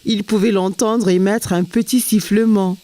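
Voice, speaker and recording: A woman narrating a children's cartoon in a gentle, clear storybook manner. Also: mid-range voice, fairly even intonation, normal speed, no echo.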